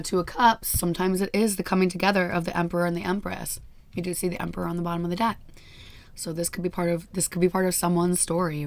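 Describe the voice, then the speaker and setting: A hoarse woman who has nearly lost her voice gives a chatty daily tarot reading into a microphone, laughing often. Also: lowish voice, darkish tone, dry recording. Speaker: tarot reader.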